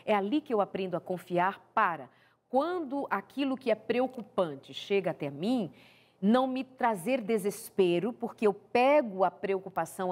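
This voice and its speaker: A woman from Brazil hosting a faith-based talk show, interviewing a pastor in an animated, warm way. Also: lowish voice. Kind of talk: devotional talk show conversation.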